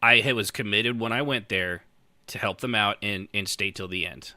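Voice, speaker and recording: A man co-hosting a podcast in casual chat, halting and circling back over his words. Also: on the low side, bright, forceful tone, no echo. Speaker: podcast co-host.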